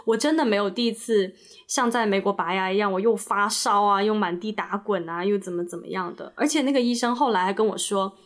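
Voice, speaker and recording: A woman's voice: mid-range voice, fairly quick. A young woman from China co-hosting a casual podcast, telling stories animatedly and laughing often. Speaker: podcast co-host. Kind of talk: casual chat.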